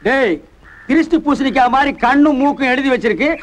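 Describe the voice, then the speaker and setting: A man's voice: extremely high pitch, brisk, slight background noise. An actor playing a boastful, mocking man in a 1980s Tamil film comedy, firing insults and wordplay. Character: boastful, mocking man who claims to be a learned scholar. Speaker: comic visitor looking for a house.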